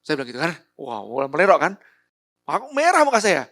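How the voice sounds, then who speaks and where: Animated middle-aged man telling a story. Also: quick pace. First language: Javanese. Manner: animated storyteller, voices quotes with big pitch jumps. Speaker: motivational speaker. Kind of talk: storytelling talk.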